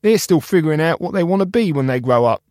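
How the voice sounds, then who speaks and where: A kindly junkyard guide, cheerful and folksy, voiced by a man. His voice is lifted higher than a man's usual talk and moves with lively swings. It is recorded dry and close. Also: fast talker, no room sound, lightly acted. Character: friendly older male junk guide, cheerful and kind.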